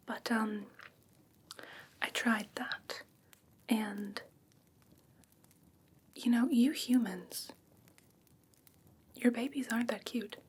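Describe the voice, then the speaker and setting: A woman playing a whimsical, coaxing fae creature in a breathy ASMR whisper, sweetly condescending and soothing in a halting, doting way. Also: mid-range voice, a little hiss or hum, lightly acted. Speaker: ASMR roleplay performer. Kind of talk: whispered ASMR fantasy roleplay.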